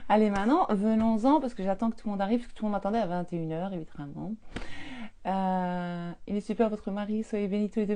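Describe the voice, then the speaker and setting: A woman in her fifties, a holistic coach, chatting casually on a live stream, telling lively stories and laughing often. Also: mid-range voice.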